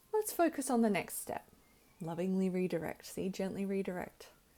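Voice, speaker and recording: On a very clean recording with a silent background, a woman with an Australian accent speaks at a moderate pace and medium pitch, her tone dark and mellow and her intonation lively. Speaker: podcast host, leadership coach. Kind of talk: podcast monologue.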